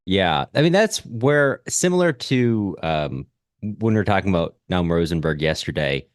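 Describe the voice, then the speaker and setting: A man co-hosting a reflective literary discussion, speaking in a halting, thoughtful way as he searches for his words. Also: low-pitched, sing-song, dry recording, studio quality. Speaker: podcast co-host.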